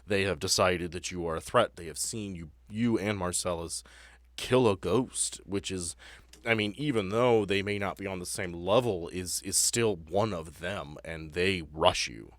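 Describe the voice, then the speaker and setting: A man's voice: low voice, unhurried, fairly bright tone, dry recording. A man working as game master, narrating a tabletop game in a conversational, descriptive way with plenty of explanation.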